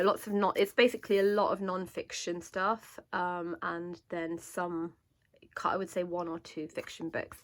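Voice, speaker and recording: A woman's voice: on the low side, fairly bright tone. A woman with a sore, congested throat, chatting casually to camera about her planner, with lots of fillers. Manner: chatty, many fillers and restarts. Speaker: homeschooling parent vlogger. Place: indoors at a table. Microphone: camera above a desk, hands only in frame.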